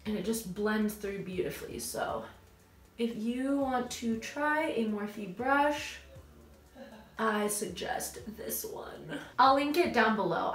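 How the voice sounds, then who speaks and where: A woman's voice: on the high side, roomy sound. A young woman with a stuffy, nasal voice, chatting her way through a makeup tutorial from home. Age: young adult. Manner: chatty, gushing, self-teasing. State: stuffy nose. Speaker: beauty vlogger. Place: small home room, indoors. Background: dogs playing.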